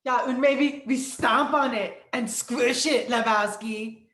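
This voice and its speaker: A woman's voice: a little high, slow, fairly bright tone. A woman playing a threatening, dim-witted nihilist henchman in a table read. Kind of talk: amateur virtual table read. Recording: echoey room.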